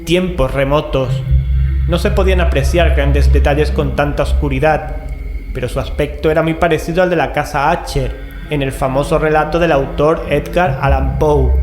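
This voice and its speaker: A man's voice: a little high, fairly even intonation, moderate pace, close to an everyday voice. A man playing a cool-headed, rational man in a dramatized horror audio story. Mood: measured, uneasy. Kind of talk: dramatized audio fiction, narration and dialogue. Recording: roomy echo, music underneath.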